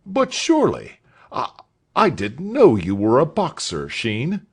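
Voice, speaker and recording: A man reading aloud voices a kindly, eager schoolmaster keen on boxing, with an animated, exclaiming delivery. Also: mid-range voice, slow pace, breathy edge, pitched above the performer's own voice, full character voice.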